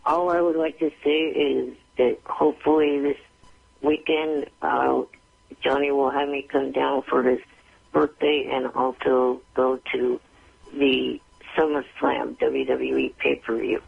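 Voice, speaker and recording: A man calling a radio show, with a gravelly, creaky voice and a blunt, stubborn, halting way of talking. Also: medium pitch, level tone. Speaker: regular phone-in caller. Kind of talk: phone-in talk. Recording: lo-fi telephone line.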